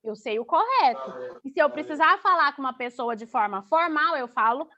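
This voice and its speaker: A woman's voice: sits high, expressive, moderate pace, bright, forceful tone. A young woman teacher with a Goiás Brazilian Portuguese accent, teaching an online class to children and explaining by asking and answering her own questions. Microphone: video call. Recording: dull lo-fi video call audio.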